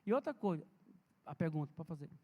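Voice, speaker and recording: A man's voice: a little high, big pitch swings, quick pace, highs cut off. A man giving an informal seminar talk on health and safety in a church, chatty and storytelling, talking straight to the audience. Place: large church hall. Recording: long reverb in a big church hall.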